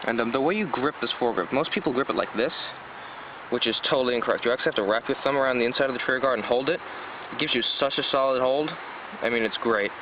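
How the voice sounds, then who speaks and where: A man's voice: medium pitch, rapid-fire. A man giving a casual, enthusiastic hands-on product review in an informal, rambling way. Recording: dull lo-fi sound, loud road noise. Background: traffic, passing buses and cars.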